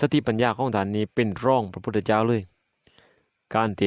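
A man with a plain, everyday voice, fairly low in pitch, with fairly even intonation against a quiet background. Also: dry, close sound with no echo. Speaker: Buddhist monk giving a dhamma talk. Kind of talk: radio dhamma sermon. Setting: radio broadcast.

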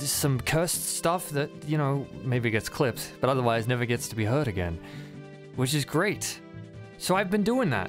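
With music in the background, a man with a fairly high pitch speaks with very wide pitch swings. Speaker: voice actor. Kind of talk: casual talk to camera. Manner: casual, rambling.

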